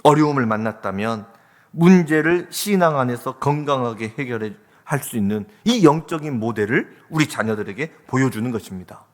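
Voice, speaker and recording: A man preaching a sermon as pastor in a church sanctuary, exhorting his listeners with rising, impassioned calls. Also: medium pitch. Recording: reverberant church hall.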